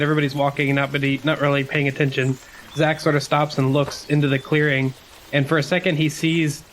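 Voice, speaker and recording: A man's voice: fairly high pitch, fairly bright tone, a little hiss or hum. A man playing a tabletop game, casually improvising what his character sees and does.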